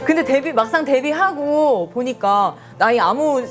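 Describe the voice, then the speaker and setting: A woman's voice: sits high, lively intonation, a little slow, faint music behind. A woman hosting a casual interview chat, teasing her guests and laughing often. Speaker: host.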